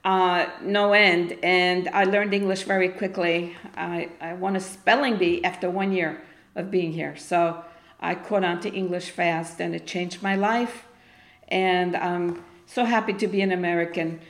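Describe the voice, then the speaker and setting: Middle-aged argentine-born woman, blunt and emphatic, low-ish voice, roomy echo. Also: fairly even intonation, measured pace. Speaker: guest poet. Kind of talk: casual interview chat. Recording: echoey room.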